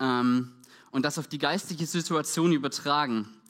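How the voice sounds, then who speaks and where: The recording is very clean and the background silent. A man with a fairly high pitch speaks at a fairly slow pace, with ordinary pitch variation. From Saxony, Germany. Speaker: pastor. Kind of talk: sermon.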